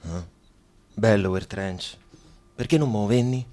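An actor playing a cajoling, streetwise Jewish prisoner with a Roman accent in a radio drama. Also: male voice, on the low side, unhurried, warm tone, lightly acted. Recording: music behind the dialogue.

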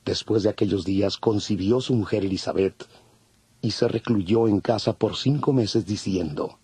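A man narrating scripture from a script in measured storytelling. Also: fairly low pitch, dark tone, husky, dry recording. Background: faint music.

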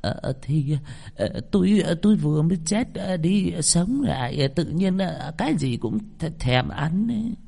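Một người đàn ông giọng miền Nam đóng vai một bà cụ già kỳ quái, giọng the thé, nói lắp bắp ngập ngừng. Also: male voice, lively intonation, unhurried, gravelly, mellow, full character voice. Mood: faltering. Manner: shrill, stammering with hesitations. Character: elderly grandmother, possessed-seeming, shrill and scolding.

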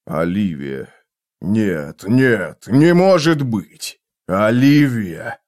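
A desperate, hard-driven man acted by a male narrator speaks harshly and with emphasis. His commanding voice moves widely in pitch, in a dramatic audiobook manner. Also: very animated, takes it slowly. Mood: shaken, muttering. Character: furious, desperate, driven man hunting for answers.

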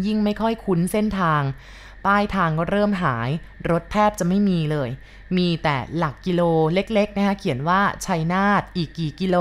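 A woman calmly retelling a listener's ghost story in a polite, measured way. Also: on the low side. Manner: calm, polite, measured retelling with soft sentence endings.

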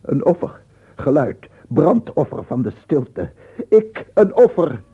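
A man's voice: a little high, very animated, slow, husky, full character voice. An actor playing a tormented, obsessive madman in a theatrical Dutch radio play monologue, intense and swinging from whispers to cries. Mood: desperate, calling out. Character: tormented, obsessive madman addressing imagined gentlemen. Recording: tinny, band-limited old radio recording.

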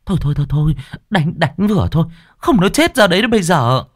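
A man voicing a frantic middle-aged wife, pleading in a high, hurried voice. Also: sing-song, no room sound, studio quality.

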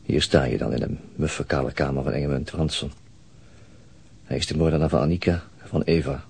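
An actor playing a terse, brooding police detective in charge, in a radio crime drama. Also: male voice, rumbling low, steady tone, fairly quick, vocal fry, darkish tone, breathy edge, exaggerated voice. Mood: brooding, haunted.

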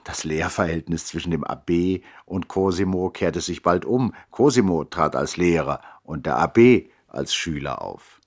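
A reflective man telling his brother's life story in a radio drama. The voice is very low and somewhat husky. The delivery is measured and literary, with wide, expressive swings in intonation. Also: full character voice. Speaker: narrator. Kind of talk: literary radio play narration.

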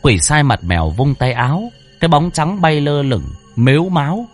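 A man's voice: a little high, lively intonation, moderate pace, faint music behind. A man narrating a ghost story in a dramatic, vivid storytelling manner.

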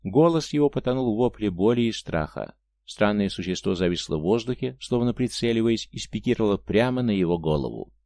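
A man narrating an audiobook in a steady, measured reading. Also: fairly low pitch, no echo. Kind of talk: audiobook narration of science fiction.

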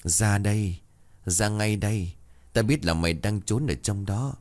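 A man voicing a vengeful ghost woman who shouts threats. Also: on the low side, measured pace, natural voice. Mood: menacing.

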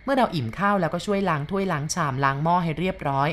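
Low-voiced woman reading a ghost story. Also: expressive, very fast, slight background noise. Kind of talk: reading a first-person ghost story aloud.

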